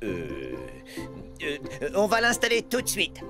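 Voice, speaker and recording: A little cartoon handy worker with a fairly low voice. The delivery is slow and businesslike, with very wide swings in pitch. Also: female voice, huge pitch swings, over music, exaggerated voice. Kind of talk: French children's cartoon dub acting.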